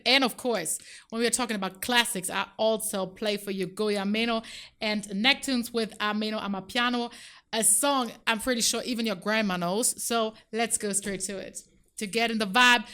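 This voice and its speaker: A woman hosting a radio show in a studio, relaxed and chatty, with fillers and self-deprecating asides. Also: medium pitch, clear, resonant tone. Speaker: radio host. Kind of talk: radio show presenting and interviewing.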